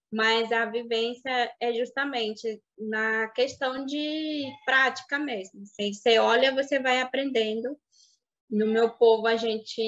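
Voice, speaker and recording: A woman in her thirties whose first language is Baniwa, telling her life story in an interview, reflective and halting, over a video call. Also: a little high. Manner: reflective, halting with restarts and soft fillers. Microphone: webcam on video call. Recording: dull lo-fi video call audio.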